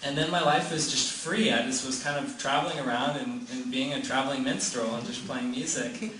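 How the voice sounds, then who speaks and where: A man's voice: medium pitch, sharp tone. A man casually telling a personal story to a group, rambling, with restarts, lots of "like", and frequent laughs. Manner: rambling, many restarts and fillers, laughs often. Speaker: gathering participant sharing a story. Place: gathering in a room. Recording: echoey room, mic far off, background noise.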